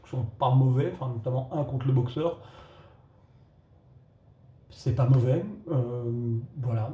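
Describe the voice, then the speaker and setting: A man giving a casual spoken film review for his channel, halting with many restarts and little chuckles. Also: medium pitch, fairly even intonation, phone-quality sound, slight background noise. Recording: echoey room.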